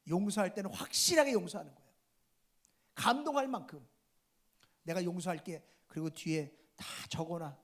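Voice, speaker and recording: High-pitched male pastor preaching. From South Korea. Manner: preaching with repeated appeals to the congregation. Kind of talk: sermon.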